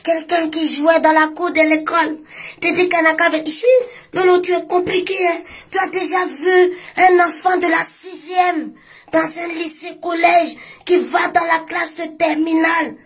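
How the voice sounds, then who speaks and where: A woman giving mocking, scolding commentary in a fast stream of talk. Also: extremely high pitch, steady tone. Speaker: online commentator.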